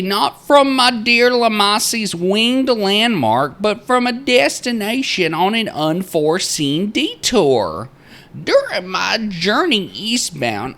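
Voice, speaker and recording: A man's voice: sits high, creaky, sharp tone, pitched above the performer's own voice, heavily acted. A man voicing a pompous, wordy male prospector reading out his journal in a florid, theatrical way. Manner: florid, theatrical, self-important.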